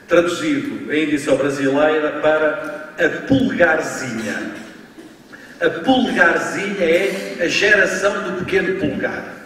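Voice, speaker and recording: A man with a European Portuguese accent gives a university lecture, speaking slowly and stressing his points, often closing them with a quick tag question. His slightly higher voice sounds far from the mic and rings through a large, echoey hall, with faint room noise behind it. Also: a bit bright. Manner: deliberately slow, emphatic delivery with frequent tag questions. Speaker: guest lecturer. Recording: distant, echoey hall recording with faint ambience.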